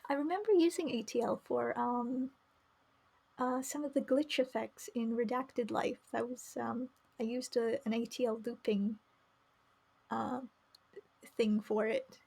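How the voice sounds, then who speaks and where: High-voiced woman streaming a visual novel. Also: steady tone, measured pace, creaky, a little mellow, slightly rough. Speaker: game streamer. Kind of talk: live read-aloud narration with casual commentary. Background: faint music.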